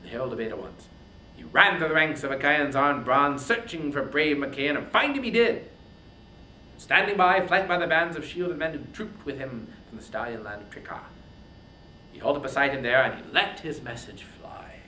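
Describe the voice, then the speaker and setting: A man with a bright, forceful voice reads epic verse as narrator. He declaims theatrically with emphatic phrasing, and the room echoes around him over a faint rumble. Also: normal speed. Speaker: reader, narrator. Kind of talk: dramatic reading of epic poetry. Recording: roomy, echoing, faint background rumble.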